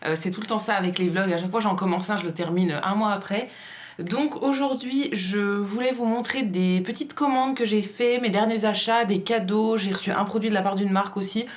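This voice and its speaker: A woman's voice: medium pitch, brisk. A woman vlogger who has just woken up, chatting casually with a tired morning voice. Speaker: beauty vlogger. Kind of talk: casual vlog chat.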